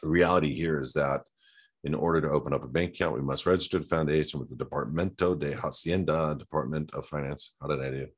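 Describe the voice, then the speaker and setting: Casting note: male host, extremely low voice, relaxed off-the-cuff advice, lots of ums and restarts. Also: quick pace, slightly rough. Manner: loose and conversational, many fillers and restarts. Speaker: host answering a viewer question. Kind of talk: casual advice talk, reading a question aloud then answering.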